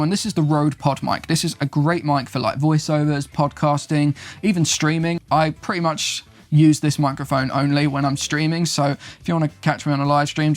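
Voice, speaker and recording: A young man hosting his own channel, chatting casually and upbeat as he explains recording gear step by step. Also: a little high. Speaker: YouTube host, videographer and podcast producer. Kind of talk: casual gear tutorial to camera.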